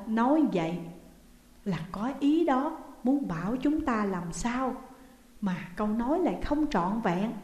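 A woman reading a ghost story aloud and acting out the frightened dialogue with high, rising exclamations. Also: a little mellow, muffled recording. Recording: echoey room with long reverb.

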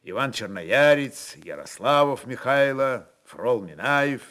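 Slow, expressive male literary narrator. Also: medium pitch. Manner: expressive, deliberate, with weighty pauses. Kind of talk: dramatic literary narration of historical fiction.

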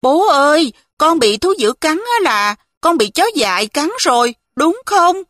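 A woman's voice: high-pitched, sing-song, a little slow, a bit bright, dry recording, exaggerated voice. A woman voicing a frightened young girl who pleads tearfully for help. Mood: pleading, frightened.

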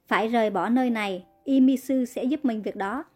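A woman's voice: a little high, a little fast, a little mellow, soft background music, lightly acted. A woman reading as a kind, pleading young woman. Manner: pleading, earnest. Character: kind young woman healer, frightened captive.

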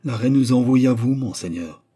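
A man's voice: mid-range voice, brisk, warm tone, husky, close to an everyday voice. A man voicing an anxious, pleading male court jeweler with an insistent manner.

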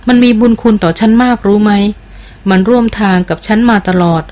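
An earnest noblewoman explorer from an audiobook jungle adventure, as a woman reads her. She talks in a warm, urgent way at a middle pitch. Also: a little fast, lightly acted.

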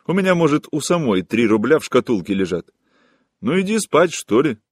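A man voicing a coarse, hostile young woman who mocks and scolds in shrill, harsh taunts. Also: big pitch swings, moderate pace, slightly rough, no room sound. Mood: scornful, angry.

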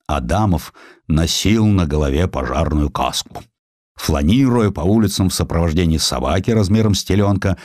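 A man reading a historical essay as a scripted, dramatic literary narration, in an expressive, theatrical storytelling manner. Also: deep voice, dry recording, clean studio sound. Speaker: audiobook narrator.

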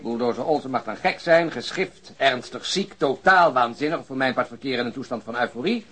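A man's voice: mid-range voice, a little fast, fairly bright tone, breathy edge. An actor playing an amused, eloquent detective in a Dutch radio drama, wry and leaning on his words for emphasis. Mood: wry, insistent.

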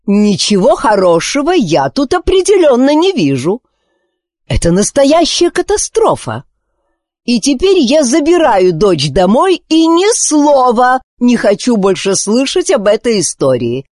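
Give me an indignant, cold-hearted queen, put on by a woman reader, higher and clipped. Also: sing-song, moderate pace, hardly any pauses, darkish tone, no room sound, studio quality. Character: haughty, icy, angry woman queen.

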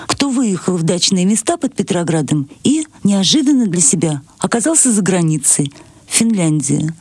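A woman's voice: mid-range voice, a little mellow, husky, dry recording. A woman presenting a literary program on radio, reading a scripted introduction in a composed, formal way.

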